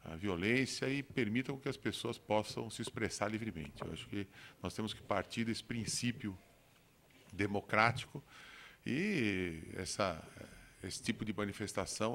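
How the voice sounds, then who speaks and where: A man speaking as a judge on a studio panel talk show, measured and formal with some hesitations. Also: fairly low pitch, fairly bright tone, a little hiss or hum.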